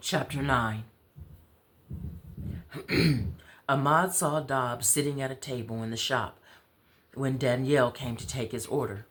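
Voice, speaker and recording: Low-key woman reading fiction aloud. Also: a little slow, long pauses. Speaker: author and storyteller. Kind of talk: expressive read-aloud of fiction.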